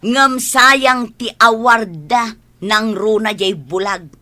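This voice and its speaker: Spiteful jealous neighbor. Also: female voice, fairly high pitch, slow, pushed and bright. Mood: scornful. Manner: scornful, mocking. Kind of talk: Ilocano family drama acting.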